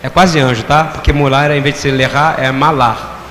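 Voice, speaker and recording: A man's voice: mid-range voice, fairly even intonation, moderate pace, a bit bright. A man preaching a sermon, drawing the congregation into repeating phrases and firing rhetorical questions at them. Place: church hall. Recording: echoey hall with long reverb, faint room noise.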